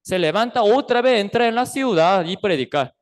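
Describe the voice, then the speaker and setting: A man's voice: high voice, animated, moderate pace. A Costa Rican man preaching a sermon, constantly asking the congregation rhetorical questions and acting out the people in his stories. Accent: Costa Rican Spanish. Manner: acts out quoted figures in a raised voice. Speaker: pastor. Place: church.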